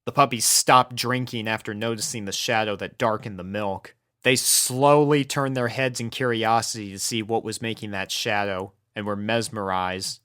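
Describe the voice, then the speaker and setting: Expressive storybook narrator with a mid-pitched voice. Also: normal speed. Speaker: fan fiction narrator.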